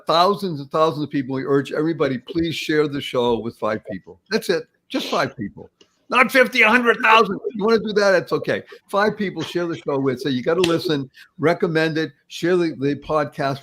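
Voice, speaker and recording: Animated man in his seventies, podcast host. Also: fairly high pitch, low-quality recording. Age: 70s. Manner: animated, laughs often, repeats words. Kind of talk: casual podcast conversation.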